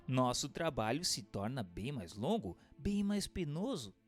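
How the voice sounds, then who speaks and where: A man plays a learned spirit lecturing patiently in a radio play. The Brazilian voice is solemn and eloquent, rising and falling widely on emphatic, deliberate phrases. Music plays underneath. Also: mid-range voice. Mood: earnest, burdened. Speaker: voice actor in an audio book dramatization. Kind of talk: scripted radio drama monologue, didactic reading.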